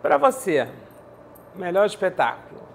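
A woman's voice: medium pitch, big pitch swings, unhurried, vocal fry. Brazilian woman interviewer, faint background noise. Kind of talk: conversational interview. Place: quiet indoor studio, seated.

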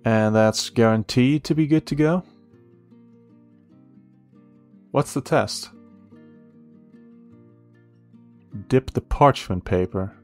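A male actor gives a lightly acted, animated performance in a mid-range voice as a young café worker in a romance audio roleplay. Gentle teasing, hesitant pauses, curiosity, admiration and a protective friendliness define the role, with soft guitar music underneath.

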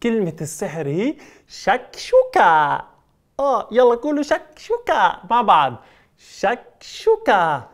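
A man's voice: sits high, big pitch swings, moderate pace. A man, presenting magic tricks to children and leading them in call-and-response. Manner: coaxing, call-and-response with children, playful exclamations. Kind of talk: lively children's show presenting.

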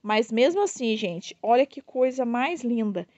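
A woman from Brazil with a southern Minas Gerais accent, showing her succulents to followers in an excited, gushing way and talking straight to viewers. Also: fairly high pitch, unhurried, dry recording, lo-fi sound. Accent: southern Minas Gerais Portuguese. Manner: gushing, enthusiastic, addresses viewers often. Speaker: succulent grower and seller. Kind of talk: casual plant showcase to followers.

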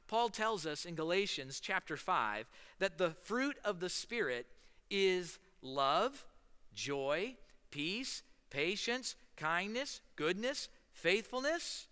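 A man's voice: high voice, clear, resonant tone, long reverb tail. A man in his thirties with a Midwestern American accent, a pastor preaching a casual, story-driven sermon from a stool on a church stage, gesturing as he talks. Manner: storytelling, animated with hand gestures, seated on a stool. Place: church stage in front of a large screen.

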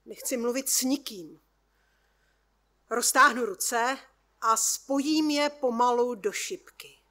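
A woman reads her first-person story aloud, calm and measured. Her voice is high and bright. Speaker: workshop participant reading her story.

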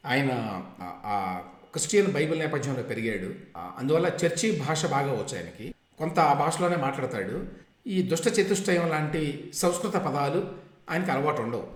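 A man who is a journalist, giving a conversational political commentary with emphatic turns and frequent fillers. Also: fairly high pitch. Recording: echoey room.

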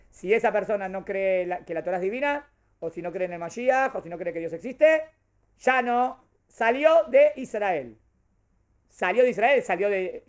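Man, high voice; teacher quizzing his students, lively and rhetorical. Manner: questioning and animated, answers his own questions. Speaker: rabbi teaching a class. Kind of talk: Torah class to a group.

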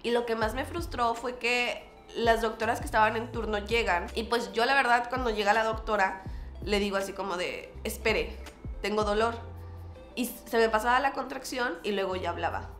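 Mexican woman, casual vlog storyteller, fairly high voice, echoey room with faint music behind; lively, acts out the other voices. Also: moderate pace. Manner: animated, acts out quoted dialogue with lots of fillers. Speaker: vlogger.

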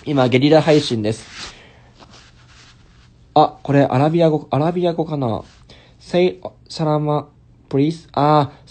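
A man's voice: a little high, a little mellow. Young Kansai man chatting on a livestream. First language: Japanese. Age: 20s. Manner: chatty, switches into simple English phrases. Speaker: stage actor hosting a livestream. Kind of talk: casual livestream chat, reading out viewer comments. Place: small indoor bedroom or hotel room. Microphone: phone held close while lying on a bed.

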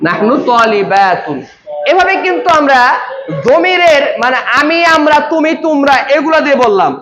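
A woman's voice: high voice, a little fast, a bit bright, reverberant, lo-fi sound. A woman teacher running a question-and-answer language drill, quizzing her students with short prompts.

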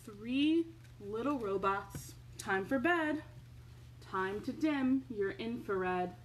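High-pitched woman, unhurried children's storytime host. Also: poor audio. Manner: sing-song, expressive reading to small children. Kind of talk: children's storytime read-aloud and chat. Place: indoors, home living room. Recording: home recording with faint background noise.

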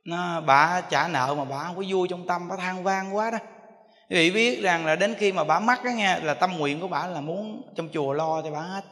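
A man, a Buddhist monk, telling a story in a sermon, animated and acting out voices. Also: high-pitched, moderate pace. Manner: animated, acts out voices, chuckles often. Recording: reverberant hall.

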